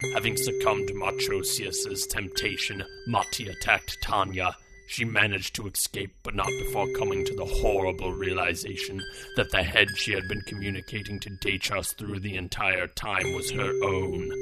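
Loud music plays behind the voice. A man talks at a moderate pace. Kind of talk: old-time radio drama announcer. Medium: audio drama. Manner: measured, dramatic.

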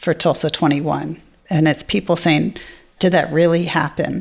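A woman with an American accent speaks at a fairly slow pace, her fairly low voice carrying vocal fry. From Virginia, US South. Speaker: TV director. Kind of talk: interview.

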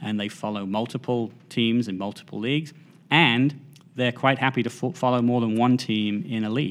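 With an English accent, a man speaks at a moderate pace, his medium pitch showing ordinary variation. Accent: English accent, noticeable to American host. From southern England, Winchester near Southampton. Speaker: soccer marketing agency founder. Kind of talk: interview. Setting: office.

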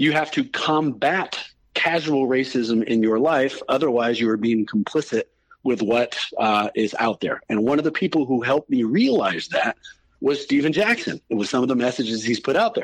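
A man speaks in a plain, everyday voice at a medium pitch. His loudness stays very even, and his pitch varies in an ordinary way. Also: moderate pace. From US West Coast, San Francisco Bay Area. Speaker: sports podcast host. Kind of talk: casual chat.

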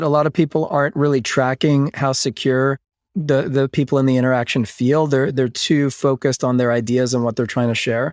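A man talks at a fairly quick pace with hardly any pauses, his pitch fairly high. The recording is very clean with a silent background, and his loudness stays very even. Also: dry, close sound with no echo. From Cuban American, US. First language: Spanish. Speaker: couples therapist and author. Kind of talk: interview.

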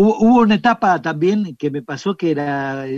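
A man is speaking. His pitch swings very widely. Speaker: radio co-host. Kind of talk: casual chat. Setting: home studio.

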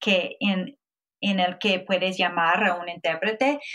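A woman speaks in an English accent. Her pace is very slow. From US Midwest, Minnesota. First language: English (speaking Spanish). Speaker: hospital physician, podcaster. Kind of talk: interview. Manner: halting.

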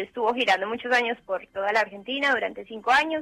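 Bright, sharp tone from a woman, her pitch varying in an ordinary way. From Colombia, Medellín. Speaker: children's music performer. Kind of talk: interview.

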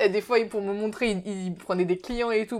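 A woman speaks at a fairly quick pace. Her intonation stays fairly even. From France (Paris), Japanese-raised. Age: 20s. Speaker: tattoo artist. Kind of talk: casual interview. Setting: tattoo studio in Paris. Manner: halting, lots of fillers.

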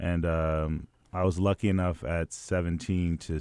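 A man with a New York accent speaks in a monotone, flat intonation on a very clean recording with a silent background. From New York City. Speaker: music manager and club promoter. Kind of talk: casual chat.

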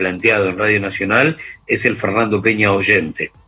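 Someone speaks in a Rioplatense accent while music plays in the background. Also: man. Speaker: radio show host. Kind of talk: radio program presentation. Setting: video call.

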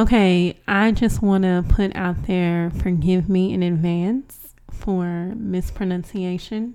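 With a dark, mellow tone, a woman talks at a very slow pace using fairly even intonation. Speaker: host's fiancée reading listener questions. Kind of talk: casual chat. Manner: put-on podcast voice.

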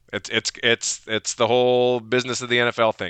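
A man with a plain, everyday voice, an American accent, a medium pitch and a fairly quick pace. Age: 40s. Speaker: sports writer. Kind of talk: casual chat.

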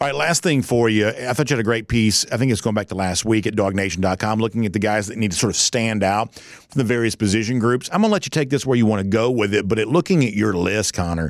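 A man with a Southern US accent, medium pitch, ordinary pitch variation, very fast pace, very clean recording with a silent background. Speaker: sports podcast host. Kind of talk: solo sports commentary podcast. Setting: studio. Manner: casual, self-deprecating, conversational.

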